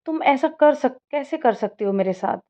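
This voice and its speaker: A woman's voice: a little high, measured pace, mellow, lightly acted. A woman voicing a sulky, dramatic young office friend in a huffy manner, on a dull lo-fi recording. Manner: huffy, sulking. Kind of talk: storybook voice acting.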